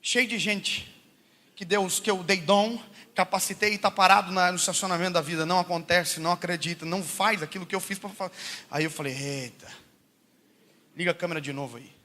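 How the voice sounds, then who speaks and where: Here a man from Brazil preaches through a comic personal tale, speaking in a high voice at a slightly fast clip. His delivery is lively and full of laughter, alternating loud outbursts with soft asides.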